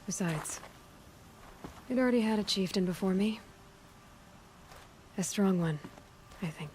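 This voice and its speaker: A woman's voice: mid-range voice, unhurried, darkish tone, slight background noise, close to an everyday voice, rough recording. A young woman playing a headstrong, frank tribal huntress in a video game, dry and direct. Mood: gentle, sober. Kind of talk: video game cutscene dialogue.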